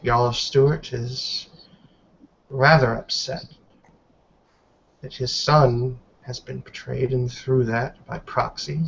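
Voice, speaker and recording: A man playing a stern elderly tribal matriarch in a roleplay game, speaking formally in deliberate, halting phrases. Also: medium pitch, flat delivery, vocal fry, fairly bright tone. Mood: grave, stern. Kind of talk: tabletop roleplay in character. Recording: dull online call with background noise.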